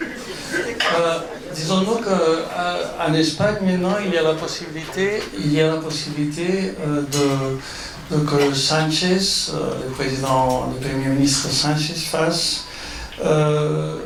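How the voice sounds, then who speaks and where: A man's voice: a little high, gravelly. A man with a Spanish or Catalan accent in French answers audience questions at a public meeting, searching for words as a non-native speaker. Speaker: guest speaker at a political meeting. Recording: echoey room, distant mic, audience noise.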